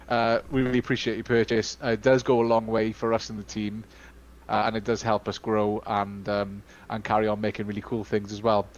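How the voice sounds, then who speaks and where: A Welsh-speaking man co-hosting a casual live-stream Q&A, talking in a chatty, halting way full of fillers and restarts. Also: mid-range voice, lo-fi sound. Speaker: studio co-host.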